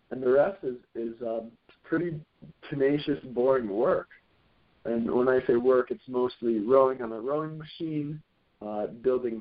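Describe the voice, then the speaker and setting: A man with an unremarkable speaking voice talks at a fairly slow pace, with a medium pitch and ordinary pitch variation. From Utah, Salt Lake City. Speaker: college rowing captain. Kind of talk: interview.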